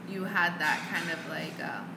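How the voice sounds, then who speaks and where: A woman's voice: fairly low pitch, steady tone, moderate pace, vocal fry, echoey room, a crowd in the background, poor audio. A woman interviewing a guest, asking probing questions while thinking aloud.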